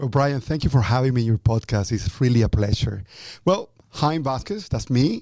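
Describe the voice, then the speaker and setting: A man with a Spanish accent, medium pitch, ordinary pitch variation and a dark, mellow tone, on a very clean recording with a silent background. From Colombia, Caribbean coast. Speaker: immigration attorney. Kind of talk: podcast interview.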